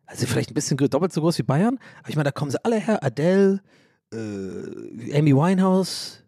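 A man's voice: fairly high pitch, very animated, brisk, mellow, husky, no echo, clean studio sound. A man from Ireland hosting a podcast, rambling and joking in casual chat, swearing and mocking himself. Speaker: podcast host.

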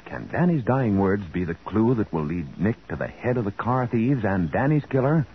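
A man's voice: on the low side, big pitch swings, normal speed, slight background noise. A man announcing and narrating in a dramatic 1940s radio style. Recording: muffled old radio broadcast. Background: loud organ music.

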